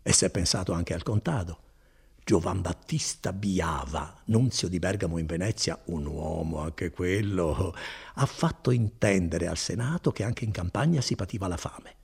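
A man voicing a chatty, good-hearted older male cousin, a foreman, in an animated folksy manner with chuckles. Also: low-pitched, moderate pace, vocal fry, husky, full character voice.

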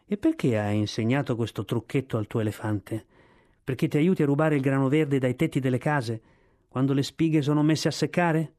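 A man's voice: mid-range voice, normal speed, darkish tone, lightly acted. A man reading aloud, voicing a commanding, amused older elephant hunter.

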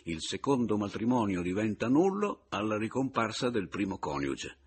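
A man voicing a self-assured young lawyer with a superior, lecturing manner and a husky voice. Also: lowish voice, very animated, normal speed. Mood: condescending. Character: smug young male lawyer, superior air.

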